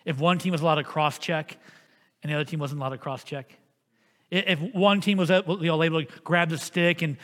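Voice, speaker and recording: A man preaching a sermon as pastor, telling a family story in an earnest, animated way. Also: on the high side, fairly quick, in a large hall.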